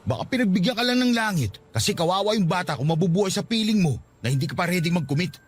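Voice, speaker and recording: Isang lalaking gumaganap sa dramang pag-ibig sa radyo bilang nasaktan at mapait na batang nobyong iniiwan, puno ng panunumbat. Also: male voice, sits high, big pitch swings, quick pace, husky, full character voice. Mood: wounded, reproachful. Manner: wounded, reproachful. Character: hurt, bitter young boyfriend being dumped. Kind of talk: radio romance drama acting.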